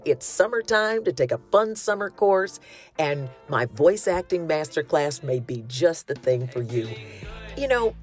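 Lively loud Southern woman host. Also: deep voice, slightly rough. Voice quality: loud voice, big laugh. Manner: lively, folksy, emphatic. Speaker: talk show host and voice actor. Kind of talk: casual chat and promo.

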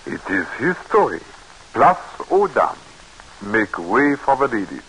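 An actor playing an excitable young medical student, in 1940s radio acting style from an old radio broadcast. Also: male voice, medium pitch, unhurried, vocal fry, slight background noise, heavily acted, low-quality recording. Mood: amused. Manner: fussy, excitable.

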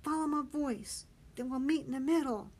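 A woman voicing a gruff, bossy, teasing man with a hoarse voice and slangy, needling orders, in a story reading. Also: sits high, normal speed, a little mellow, voice pushed up, lightly acted. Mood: commanding, shouting.

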